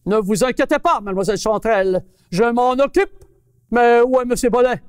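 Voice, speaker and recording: A woman's voice: a little high, a little fast, darkish tone, smooth, dry recording, studio quality, long reverb tail, close to an everyday voice. A woman voicing a fussy, blustering male mushroom colonel who talks to children in a puppet show. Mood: urgent.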